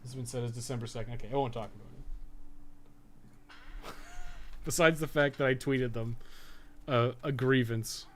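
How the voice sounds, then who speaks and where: A man's voice: mid-range voice, fairly even intonation, normal speed, pauses often. A man giving casual live gameplay commentary as a streamer, swearing casually. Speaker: game livestreamer. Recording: clearly noisy background.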